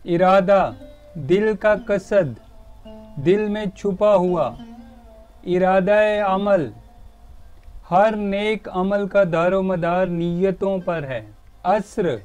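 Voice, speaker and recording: A man giving a formal, measured pronunciation lesson, word by word, in a courteous tone. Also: high voice, a little mellow, clean tone. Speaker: Urdu pronunciation teacher.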